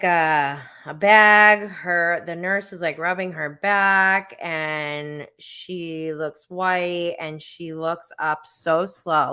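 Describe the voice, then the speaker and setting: A woman in her forties, vlogging to camera as she tells a story in a casual, animated and self-deprecating way, with frequent laughs. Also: mid-range voice. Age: 40s.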